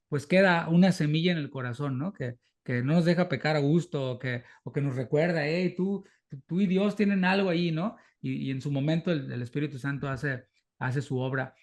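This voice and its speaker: A man with a Mexican Spanish accent and a slightly raised pitch talks things through as an interviewer. He speaks thoughtfully, restarting phrases and repeating words as he feels his way toward each point. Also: darkish tone. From southern Mexico. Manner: thoughtful, halting, many false starts. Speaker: church interviewer. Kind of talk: conversational interview, reflective.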